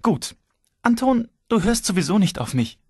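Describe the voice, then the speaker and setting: A man's voice: high voice, very animated, normal speed, mellow, slightly rough, dry recording, studio quality, pitched above the performer's own voice, heavily acted. A man voicing a worried young wife who pleads anxiously and insistently.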